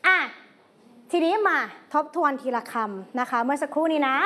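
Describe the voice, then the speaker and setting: A woman's voice: high-pitched, expressive, moderate pace, sharp tone. A woman with a Thai accent teaching English vocabulary, over-enunciating words as she prompts her pupils. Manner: coaxing question-and-answer prompting. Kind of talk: classroom English vocabulary lesson.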